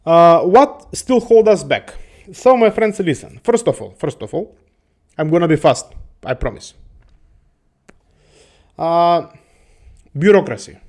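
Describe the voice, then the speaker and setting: A man's voice: a little high, lively intonation, unhurried, long pauses, a little mellow. A man from the Balkans, hosting a casual monologue to his viewers. He rambles, swears and laughs often, and keeps addressing listeners as his friends. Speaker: host.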